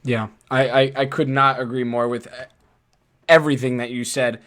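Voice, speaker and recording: A man's voice: mid-range voice, level tone, moderate pace, a bit bright. A man hosting a live online interview, talking in a casual, supportive way with many fillers. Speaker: host.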